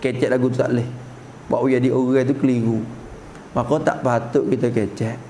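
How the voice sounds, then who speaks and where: A man's voice: mid-range voice, little pitch movement, brisk, dark tone, a little hiss or hum, poor audio. A man with a Patani Malay accent teaching a traditional religious kitab lesson. He explains patiently and keeps putting rhetorical questions to his students. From Patani, southern Thailand.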